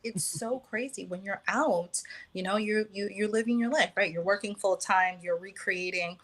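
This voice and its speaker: A woman's voice: mid-range voice, normal speed, fairly bright tone. American woman guest, casual chat, keeps restarting her sentences. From United States. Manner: hesitant, many fillers and restarts. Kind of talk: casual conversation.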